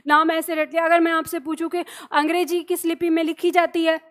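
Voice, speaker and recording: A woman's voice: extremely high pitch, little pitch movement, brisk. A woman teaching a Hindi grammar class, explaining patiently with everyday examples and asking questions that she then answers herself.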